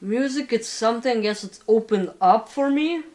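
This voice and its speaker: A man's voice: very high-pitched, moderate pace, a little mellow. A man from Canada giving casual, reflective answers as an interview guest. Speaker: interview guest, musician and painter.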